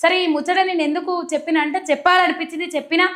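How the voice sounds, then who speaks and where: A woman's voice: very high-pitched, fairly even intonation, rapid-fire, fairly bright tone. A young woman from Telangana with a Telangana Telugu accent, giving earnest, emphatic political commentary straight to camera. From Telangana, India.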